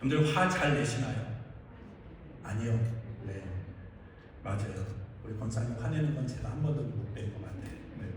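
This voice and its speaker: A man's voice: mid-range voice, normal speed. A male pastor preaching a sermon to his congregation, often putting questions to them and answering them himself. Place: large church sanctuary. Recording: echoey hall, distant mic, faint noise.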